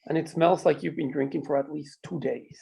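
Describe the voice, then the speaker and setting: A man playing a calm, persistent small-town mayor in a screenplay table read, measured and probing. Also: on the high side, creaky, slightly rough, heavily acted.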